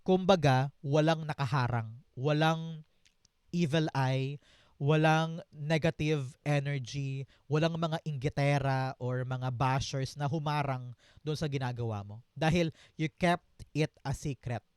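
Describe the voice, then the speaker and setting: A Filipino man doing an upbeat tarot reading, switching between Tagalog and English. His voice is smooth and sits a little high for a man. The sound is close and dry, with no room behind it. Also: unhurried, no room sound. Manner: encouraging, mixes Tagalog and English, repeats phrases. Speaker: tarot reader.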